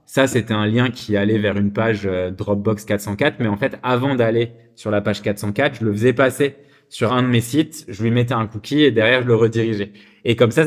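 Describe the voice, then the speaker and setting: A man from France with a French accent, telling anecdotes about his business failures in a casual, chatty way, with many fillers. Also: medium pitch. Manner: chatty, many fillers, shifts voice to quote people. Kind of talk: casual storytelling monologue.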